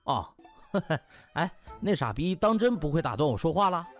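A man puts on a smug, playful young trainee doctor for a comic audiobook. He teases with drawn-out interjections and very lively, swooping pitch. Music plays underneath. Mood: mocking, gleeful. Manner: teasing, drawn-out interjections and chuckles. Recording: music bed behind.

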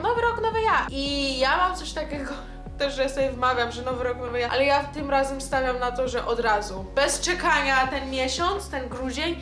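High-pitched young woman vlogging casually. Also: fairly bright tone. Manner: peppers talk with English slang interjections. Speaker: vlogger, host. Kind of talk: casual chatty vlog. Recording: background music and crowd noise.

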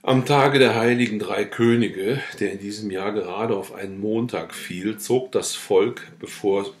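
A man's voice: lowish voice, a little slow. A man reading a novel aloud in a casual way, with chatty asides and now and then correcting a slip. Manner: chatty, joking asides, occasional self-corrections. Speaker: audiobook reader.

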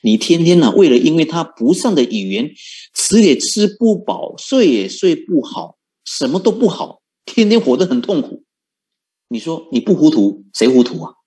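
Animated monk preaching. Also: male voice, a little high. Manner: animated, rhetorical questions, frequent chuckles and drawn-out particles. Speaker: Buddhist monk teacher. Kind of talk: Buddhist dharma talk.

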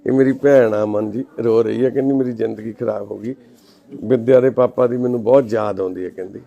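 A man with a Punjabi accent, a charity volunteer making a soft, pleading appeal to the camera. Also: medium pitch, steady tone, fairly quick, gravelly, lo-fi sound.

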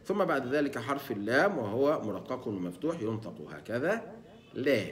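A man teaches Quran recitation, breaking words into single letters and sounding them out slowly. His voice swings widely in pitch as he explains. He poses questions and answers them himself. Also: big pitch swings, slight background noise. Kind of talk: tajweed lesson with demonstrations.

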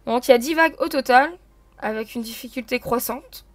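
A woman's voice: on the high side, fairly quick, dry recording. A young woman giving casual commentary while playing an online game, chatty and explaining things to her viewers. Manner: chatty, explains rules to viewers with many fillers. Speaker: gaming channel host.

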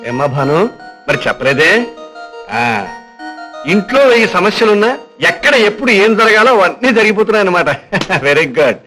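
A man's voice: high voice, sing-song, fairly quick, pauses often, bright, forceful tone, soft background music, heavily acted. An actor playing a wry, teasing older uncle who jokes with his nephews. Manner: teasing, joking. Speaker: uncle of the husband. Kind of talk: 1980s Telugu film comedy acting.

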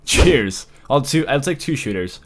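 A man in his twenties giving excited, exclamatory casual commentary as he plays a game. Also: mid-range voice, unhurried. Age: 20s. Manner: exclamatory, swearing. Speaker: let's play host. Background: electronic game music.

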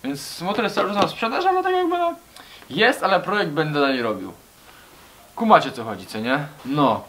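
A man's voice: a little high, sing-song, normal speed, fairly bright tone, slight background noise. Chatty young man, slangy garage vlog. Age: young adult. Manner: slangy, rambling, chatty, addresses viewers as buddies. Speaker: vlogger. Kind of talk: casual talk to camera. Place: small garage with brick walls.

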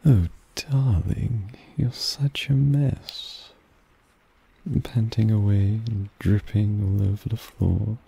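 A man's voice: fairly low pitch, steady tone, slow, gravelly, warm tone, slightly rough, full character voice. A man voicing a suave, possessive vampire who teases and dotes on his pet in an ASMR roleplay, purring with condescending affection. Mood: doting, amused. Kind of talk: ASMR roleplay addressed to the listener. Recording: rain ambience noise behind voice. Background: rain.

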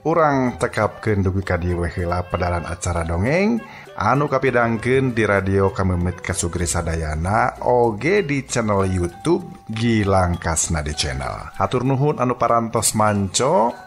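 A man's voice: fairly low pitch, big pitch swings, measured pace, faint music behind. A man with a Sundanese accent narrating a scripted story dramatically as a radio storyteller.

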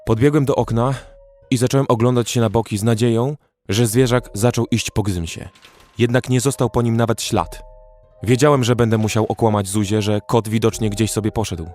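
A young man recounting his survival in a horror audio drama, telling the story in a measured, steady way with a very low voice, as an actor narrates it. Faint music sits behind the narration. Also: lightly acted. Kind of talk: first-person scripted horror narration.

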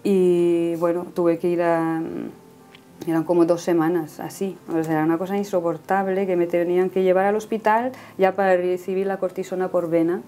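A woman's voice: fairly low pitch, little pitch movement, normal speed, warm tone, faint music behind. A woman in her thirties telling her personal faith story in earnest conversation. She often ends phrases with a questioning "no?". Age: 30s. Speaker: guest giving a faith testimony.

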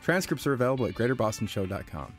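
Man reading credits quickly. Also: medium pitch, soft background music. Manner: brisk, even reading of names. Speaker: podcast host reading credits. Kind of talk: read credits.

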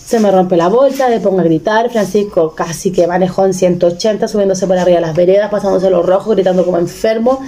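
A woman's voice: medium pitch, fast, hardly any pauses, dark tone. A Chilean woman in her thirties, casually retelling a personal story with emotion and many restarts. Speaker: vlogger.

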